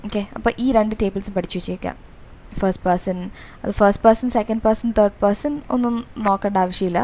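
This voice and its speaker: A woman's voice: medium pitch, fairly even intonation, quick pace, darkish tone. A woman with a Malayali accent coaching students through exam revision, explaining in a mix of Malayalam and English with many fillers. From Kerala, India.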